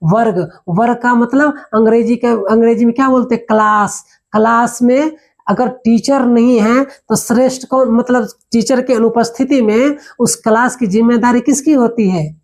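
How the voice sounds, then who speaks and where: A woman gives a spoken grammar lesson in a fairly high voice. She explains patiently, asking rhetorical questions and reaching for everyday examples. When she lists the letters, she sounds each one out slowly and with care. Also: a little mellow. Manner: slow, careful recitation of letters. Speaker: Hindi grammar teacher.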